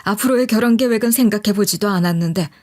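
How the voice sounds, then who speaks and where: A woman's voice: mid-range voice, fast talker, darkish tone. A woman reading a scripted first-person life story as a narrator.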